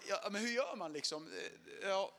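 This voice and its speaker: A middle-aged man telling his conversion story as a sermon testimony, animated, acting out quotes and swinging from loud to hushed. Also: high voice.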